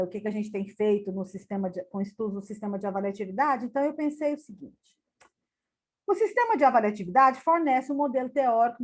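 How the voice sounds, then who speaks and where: Lady giving an academic talk on a video call, kinda high voice, lots of stops and repeats. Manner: halting, with many repeated words and restarts. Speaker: conference lecturer.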